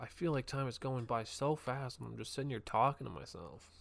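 A man's normal speaking voice, fairly high in pitch, with lively intonation. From United States. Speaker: podcast host. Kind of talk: solo podcast, casual rambling. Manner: casual, rambling, unscripted.

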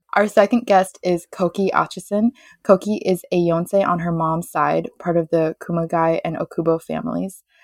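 A woman with an ordinary speaking voice talks at a moderate pace and fairly low pitch. Her intonation is fairly even, and the sound is dry and close with no echo. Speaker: podcast co-host. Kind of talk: casual podcast interview.

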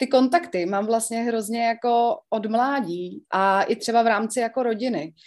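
An ordinary speaking voice belonging to a woman, pitched fairly high, its pitch varying in an ordinary way. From Prague, Czechia. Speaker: architect. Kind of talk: casual chat. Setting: at home.

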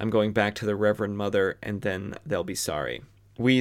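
This man has an ordinary speaking voice with an American accent and a fairly low pitch, with ordinary pitch variation. The recording is very clean, with a silent background. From western US. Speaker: comics podcast host. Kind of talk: solo podcast recap of comic issues. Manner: casual, with frequent fillers.

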